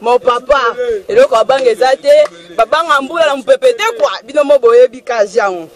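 A man's voice: extremely high pitch, a little fast. A man speaking earnestly in short bursts, praising a club's master.

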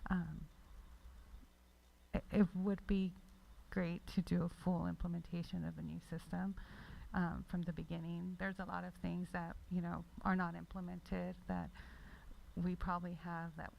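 A woman's voice: lowish voice, level tone, moderate pace, vocal fry, darkish tone, a little hiss or hum, low-quality recording. A female city staff member explaining systems at a public meeting.

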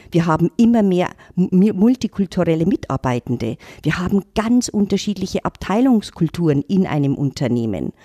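A woman's voice: deep voice, warm tone, no room sound, studio quality. A middle-aged woman, reflectively telling her story on a podcast. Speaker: intercultural trainer, guest. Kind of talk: casual podcast talk.

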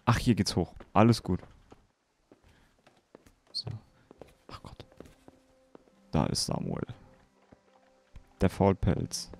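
A man's voice: sits low, wildly swooping pitch, takes it slowly, gravelly, pauses often, faint music behind. A man hosting a let's play, chatting and joking about game details as he plays. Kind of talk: casual gameplay commentary.

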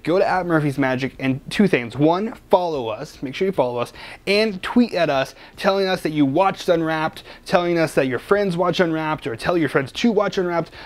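Young man, magic review host, casual, chatty, rambling, joking, slightly high voice. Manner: chatty, rambling, joking, many restarts and fillers.

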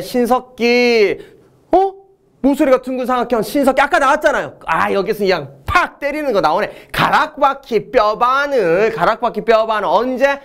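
A middle-aged man teaching an exam prep history lecture, animated and joking, swinging between loud outbursts and mumbled asides. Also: sits high.

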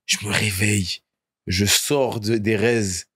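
A man's voice: fairly low pitch, steady tone, slow, a bit bright, breathy edge. A young man from France telling stories as a podcast guest in casual chat, laughing often.

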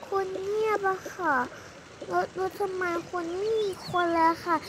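A woman's voice: very high voice, steady tone, moderate pace, background noise. A young girl improvising a playful dollhouse roleplay drama, acting out every family member's dialogue herself. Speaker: storyteller voicing every character in a toy roleplay video.

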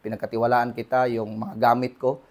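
A Filipino man preaching a sermon in church, swinging between loud exhortation and quiet talk and calling for amens. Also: mid-range voice, level tone, brisk. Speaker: pastor. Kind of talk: preaching sermon, Tagalog-English mix. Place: church in Hong Kong.

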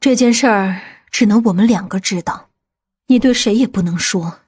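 A woman playing a composed, scheming aunt in an audiobook, measured and authoritative. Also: mid-range voice, a little mellow, slightly rough, close to an everyday voice. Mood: grave, secretive. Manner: measured, matter-of-fact, authoritative. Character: composed, commanding, scheming aunt of a powerful family.

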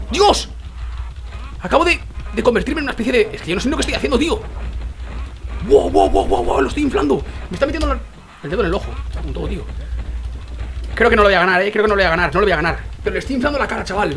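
Young man, Spain Spanish accent, excitable gameplay commentary, rapid-fire, lively pitch. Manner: excitable, exclaiming and repeating words rapidly. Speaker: gaming youtuber.

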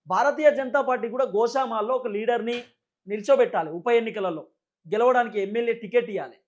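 A man with a Telangana Telugu accent giving unscripted political commentary in an emphatic, repetitive, explanatory manner. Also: extremely high pitch.

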